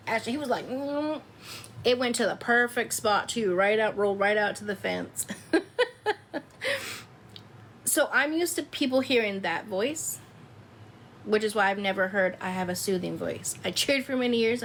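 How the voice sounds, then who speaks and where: A woman in her fifties chatting casually with viewers on a livestream, loud and laughing often. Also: medium pitch, slight background noise. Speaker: live streamer.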